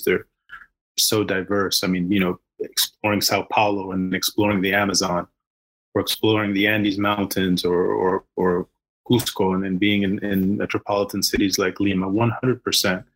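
A social impact founder in his early fifties, born in Argentina and raised in the US, rambles as a podcast guest with many fillers and restarts. His voice sits on the low side with a slight brightness, and the audio quality is poor.

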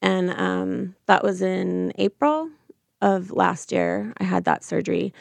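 Woman with a creaky, fry-laden voice. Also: lowish voice, sing-song, slow pace, dry recording. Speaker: interview guest. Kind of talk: personal account in a conversational interview.

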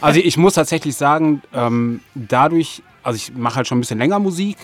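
A man giving casual, colloquial interview answers, often halting mid-sentence as he thinks. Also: a little high, expressive, soft background music. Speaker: interview guest, music producer of an audio drama.

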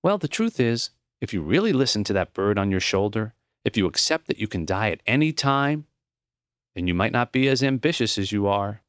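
A man reading the lines of a gentle, reflective old dying professor in a memoir audiobook, earnest and plain-spoken. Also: lowish voice, big pitch swings, fairly quick, no room sound, studio quality. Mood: gently earnest.

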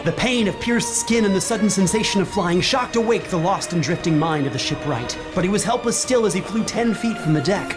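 A man's voice: high voice, lively intonation, a little fast, few pauses. Solemn male horror-fantasy narrator over music. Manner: solemn, suspenseful storytelling. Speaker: game master and narrator. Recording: loud music bed.

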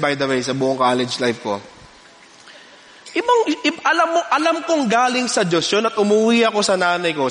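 A man, preaching a sermon and telling a personal story in an animated way, often laughing between lines. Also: sits high, in a large hall.

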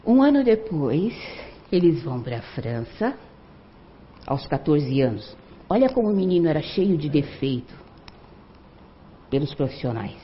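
A woman's voice: sits low, measured pace, long pauses, slight background noise. Older woman telling a story. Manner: animated, conversational, frequent "né". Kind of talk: oral storytelling to an audience. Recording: muffled lo-fi recording.

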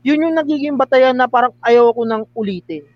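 A man's voice: very high-pitched, a little fast, lo-fi sound. A man in a casual talk show, speaking earnestly and calling the others "sir". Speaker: show regular. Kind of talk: casual chat.

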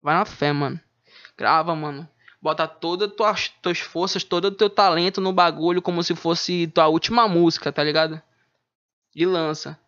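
A man's voice: on the high side, fairly even intonation, moderate pace, a bit bright. A man, a rapper guest talking casually in an interview, full of laid-back street slang. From Manaus, Brazil. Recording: dull lo-fi audio.

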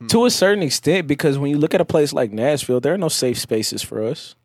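A man's voice: fairly high pitch, fast, no room sound. Candid man with African American accent, dry sound. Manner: slangy, emphatic, opinionated. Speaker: journalist in conversation. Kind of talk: casual candid conversation.

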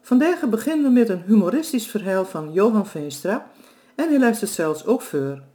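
A woman's voice: mid-range voice, sing-song, moderate pace, warm tone. A woman presenting a local culture radio program, greeting listeners in a friendly way.

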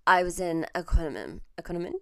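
A young Australian woman hosting her podcast alone, talking in a low, chatty voice. She mocks herself and swears freely as she gets over a chest infection. The sound is close and dry, with no room around it. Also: sing-song, fast, sharp tone, no echo. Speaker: podcast host. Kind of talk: casual solo podcast chat.

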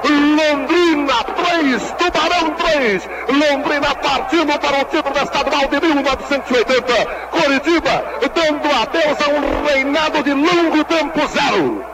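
A very noisy 1980s radio archive recording of a Brazilian man commentating football. He is very high-pitched and excited, repeating his calls. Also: measured pace, few pauses.

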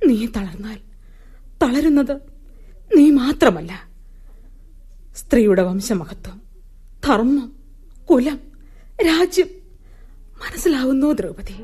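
A woman's voice: fairly high pitch, expressive, slow, pauses often, mellow, slightly rough, heavily acted. A woman with a Malayali accent, playing Kunti, a stern and proud royal queen mother, in a solemn, declamatory radio play delivery. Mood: lecturing. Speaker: radio drama actor. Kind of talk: 1970s-style radio drama acting.

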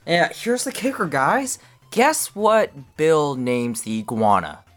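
Woman, podcast co-host, casual chat, wry, very deep voice, lively intonation. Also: slow pace, faint music behind.

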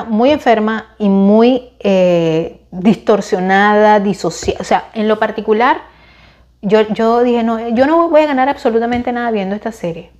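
Chatty Venezuelan woman in her forties. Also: mid-range voice. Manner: chatty and expressive, with frequent restarts and fillers. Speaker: vlogger recommending series and films. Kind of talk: casual opinion monologue.

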